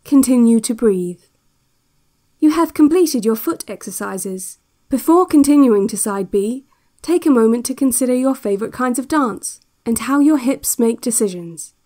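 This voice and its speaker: A woman playing a calm, controlling relaxation cassette narrator in an audio drama, soft and measured as she gives instructions. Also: a little high, lightly acted. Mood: calm, controlled. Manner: slow, measured, soothing, quietly instructing.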